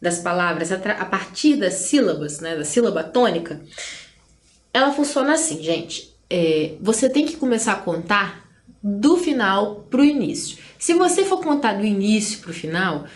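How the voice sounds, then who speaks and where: A Brazilian woman teaches grammar in a relaxed, chatty way, checking in with her students through constant little asides. She slows down to stress syllables. Her voice sits at a medium pitch, and the recording has a roomy echo. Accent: Brazilian Portuguese. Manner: chatty, frequent "né?" and "gente" asides. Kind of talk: online grammar lesson.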